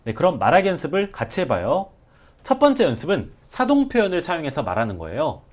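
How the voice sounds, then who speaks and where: A man teaching a language class, drilling example words slowly and clearly for his students. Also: fairly high pitch, wildly swooping pitch. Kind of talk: classroom lesson.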